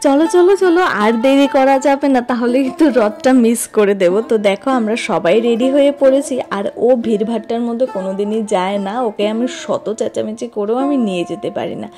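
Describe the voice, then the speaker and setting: A young woman narrates her vlog. She chats in a friendly way, speaking straight to her viewers. Music plays softly behind her. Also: a little high, brisk, hardly any pauses. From Tripura, India. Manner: friendly, addresses viewers directly. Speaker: vlogger. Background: background music.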